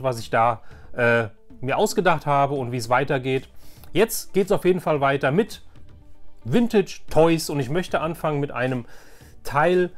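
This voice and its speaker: A man chatting casually and enthusiastically to viewers as he hosts a collecting video, often repeating words for emphasis. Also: fairly high pitch. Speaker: host of a toy collecting video channel.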